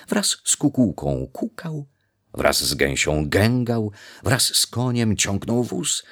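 A man reads a fairy tale to children in a very deep, gravelly, husky voice. He takes his time, and his pitch rises and falls with the story. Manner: expressive, unhurried. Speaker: storybook reader.

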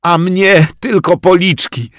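A man voicing a cheeky kindergarten boy, high and squealing. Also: slow, fairly bright tone, dry recording, clean studio sound. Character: cheeky kindergarten boy rolling on the floor laughing.

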